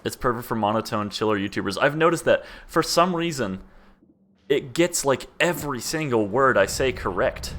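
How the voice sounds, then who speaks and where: A young man streaming a video game, chatting casually in a flat, laid-back monotone. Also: mid-range voice, normal speed. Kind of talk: casual gameplay commentary.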